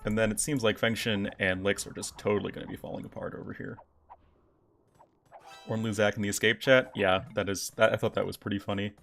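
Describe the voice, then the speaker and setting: A man's voice: on the low side, flat delivery, brisk, creaky, fairly bright tone, soft background music. A young man casually commentating a strategy game on his live stream, chatting with his viewers. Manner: casual, chatty, reacts to chat. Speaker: game caster.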